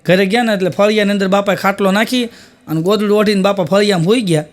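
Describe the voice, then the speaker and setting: A man telling folksy comic stories in a Gujarati accent, unhurried and slowing down for the punchlines. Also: sits high, steady tone. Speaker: stand-up comic.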